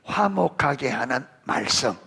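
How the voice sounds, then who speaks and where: Male pastor, middle-aged, gravelly voice, lively pitch, sermon that quizzes the congregation. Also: measured pace. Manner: questions the congregation and calls on children by name; animated, rising emphasis on scripture.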